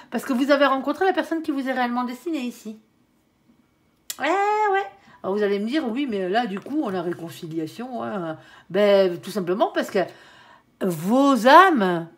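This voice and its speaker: A woman with a stuffy, nasal voice, coming down with a cold, giving a casual tarot reading to camera and tagging nearly every phrase with a little filler. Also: medium pitch. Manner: chatty, ends nearly every phrase with "hein". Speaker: tarot card reader.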